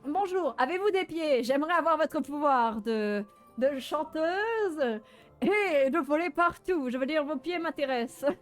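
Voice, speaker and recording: A woman giving casual, animated live commentary while playing a video game, with a playful, teasing, mock-boastful manner. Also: high-pitched, a little slow. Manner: animated, frequent laughing and exclaiming. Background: game music.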